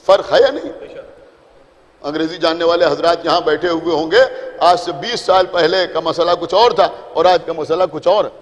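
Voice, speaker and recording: High-voiced Urdu preacher in an echoing hall. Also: male voice. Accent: Lucknow Urdu. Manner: explanatory, checks in with the audience, repeats points for emphasis. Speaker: Shia preacher addressing a majlis. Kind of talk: Urdu sermon to a seated congregation. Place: large imambara hall. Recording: reverberant hall.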